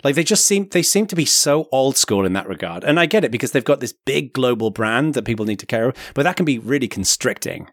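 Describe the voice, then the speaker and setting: A man's voice: medium pitch, expressive, fast, hardly any pauses, dry recording, studio quality. A man co-hosting a casual tech podcast, rambling with many restarts and sounding mildly exasperated. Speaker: podcast co-host.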